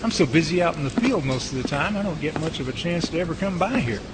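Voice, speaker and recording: A man's voice: animated, fast, natural voice. A man playing an eager, jittery field researcher in an amateur radio drama, with a folksy, easily awed manner. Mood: impressed. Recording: noisy track with ambient rumble.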